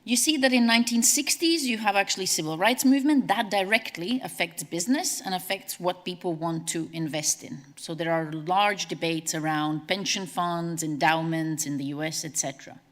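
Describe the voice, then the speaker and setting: A woman presents at a conference in a brisk, conversational way, adding asides as she goes. Her voice sits a little low for a woman and carries a long reverb from a large hall. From Latvia. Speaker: conference speaker, CEO.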